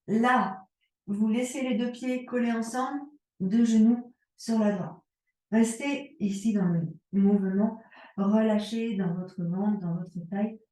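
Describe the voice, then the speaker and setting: Woman, yoga teacher, slow calm cues, mellow tone, distant and echoey. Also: on the high side. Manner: slow, calm cueing of breath and movement. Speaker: yoga instructor. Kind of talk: guided yoga and strengthening class. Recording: echoey room, voice from away from the mic.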